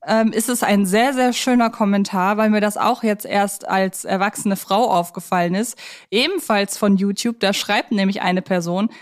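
Chatty female podcast co-host. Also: medium pitch. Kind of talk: casual film discussion.

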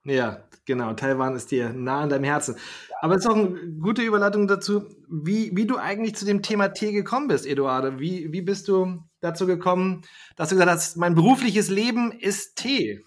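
A man's voice: high voice, brisk. A man hosting a podcast, friendly and upbeat, interviewing a guest with long questions and a few fillers. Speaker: podcast host.

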